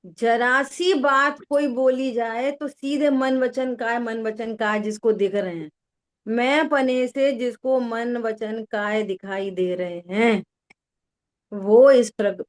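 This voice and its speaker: Female spiritual teacher, fairly high voice, slow deliberate delivery, quizzes her listeners. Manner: asks listeners questions, repeats key words. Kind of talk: slow religious discourse with listener check-ins.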